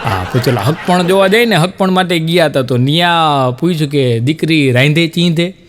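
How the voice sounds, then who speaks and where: A man's voice: fairly high pitch, animated, normal speed, noisy background. A man giving chatty, advice-style stand-up jokes in a Gujarati accent. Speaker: stand-up comic. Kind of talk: stand-up joke telling.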